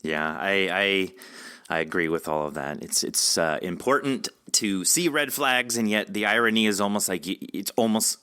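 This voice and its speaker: A man's voice: deep voice, moderate pace, pushed and bright, smooth, no room sound, studio quality. A man hosting a podcast, chatting casually with his interview guest. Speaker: podcast host.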